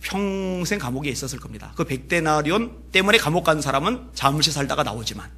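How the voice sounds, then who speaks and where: Male pastor, sermon delivery, bright and husky, acts out the story's lines. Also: a little high, fast talker. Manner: lively storytelling, acting out characters' lines.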